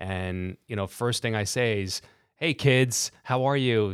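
A man with a New York accent talks at a moderate pace in a medium pitch. The sound is dry and close with no echo, on a very clean recording with a silent background. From Brooklyn, New York. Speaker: real estate agent. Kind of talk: interview.

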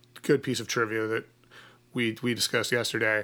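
This man's voice has a bright, sharp tone. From Chicago, US Midwest. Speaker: punk musician. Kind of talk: casual chat. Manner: animated.

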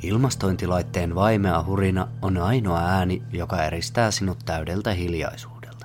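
The speech moves at a fairly slow pace with hardly any pauses, over noticeable background noise. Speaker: podcast host. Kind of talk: casual chat, reading aloud.

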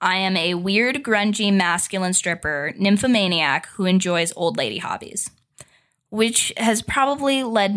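A woman with a plain, everyday voice speaks at a medium pitch and a fairly slow pace with lively intonation, on a very clean recording with a silent background. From US, Idaho. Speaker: podcast host. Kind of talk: comedic storytelling monologue.

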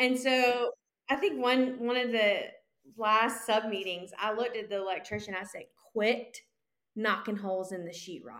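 With a Southern US accent, a woman with a fairly high voice speaks at a moderate pace, using ordinary pitch variation, big swings in loudness and long, frequent pauses. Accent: Southern US, noticeable. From Columbia, South Carolina. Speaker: business founder, contractor.

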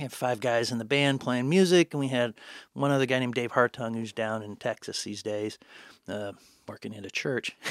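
On a very clean recording with a silent background and a dry, close sound with no echo, a man with an American accent talks at a fairly quick pace in a plain, everyday voice of medium pitch with ordinary pitch variation. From Kansas. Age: 60s. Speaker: writer, poet and bookstore owner. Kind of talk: casual chat.

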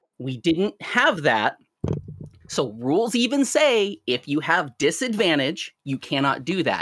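Speaking at a fairly slow pace, a man uses a high pitch with very wide pitch swings. The sound is dry and close, with no echo. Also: very clean recording, silent background. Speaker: podcast host. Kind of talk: casual chat.

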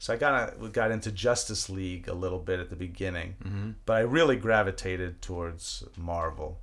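In a normal speaking voice with an American accent, a man with a fairly low pitch talks at a fairly quick pace with hardly any pauses and ordinary pitch variation. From US, Brooklyn, New York. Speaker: podcast co-host, musician. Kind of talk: casual chat.

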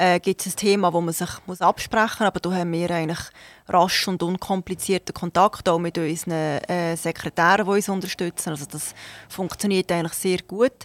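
A woman talks in an ordinary speaking voice at a moderate pace with fairly even intonation. The recording is very clean with a silent background, dry and close with no echo. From Switzerland, canton Solothurn (Hägendorf). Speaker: cantonal parliament president, politician. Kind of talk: radio interview. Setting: radio studio.

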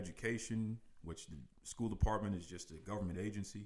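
A man speaks in an American accent at a moderate pace. His tone is animated. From Boston, Massachusetts. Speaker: podcaster and political consultant. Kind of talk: casual interview chat. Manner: animated, showman-like.

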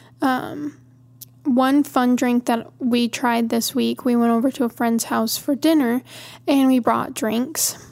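A woman with a slight Southern US accent speaks very slowly in a high pitch. Her loudness stays very even. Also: ordinary pitch variation. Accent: slight Southern creeping in. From Montana. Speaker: podcast host. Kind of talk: solo casual monologue. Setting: home recording. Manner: frequent ums and likes.

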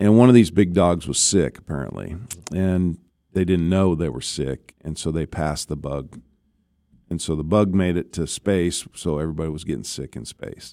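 A man's very deep, low voice in a Midwestern American accent, dark and mellow in tone, at a moderate pace with ordinary pitch variation and a very clean recording with a silent background. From US Midwest, Nebraska. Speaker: former astronaut. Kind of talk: interview.

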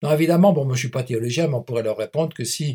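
A man speaks at a medium pitch, his tone dark, mellow and somewhat breathy. The recording is very clean, with a silent background. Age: 70s. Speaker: philosopher and bioethicist. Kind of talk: interview. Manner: halting.

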